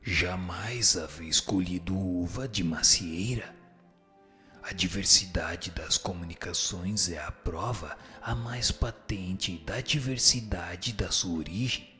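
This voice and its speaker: Deep, slow, solemn spirit teacher, played by a man. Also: sharp tone, soft background music, heavily acted. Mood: solemn, instructive. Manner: solemn, measured, didactic. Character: grave male spirit teacher, solemn and admonishing. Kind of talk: scripted audio drama reading of a spiritual text.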